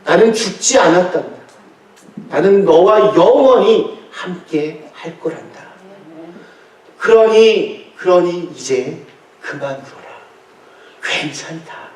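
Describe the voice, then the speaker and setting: A man pastor voicing a gentle, comforting risen Jesus, slow, soft and soothing. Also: high voice, expressive. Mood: tender comfort. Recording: echoey church, voice from far off.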